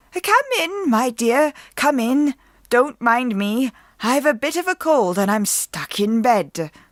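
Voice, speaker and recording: Fairly slow speech is delivered in a put-on character voice. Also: female-sounding voice, high pitch for a woman. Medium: read story. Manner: put-on old-woman voice, false sweetness.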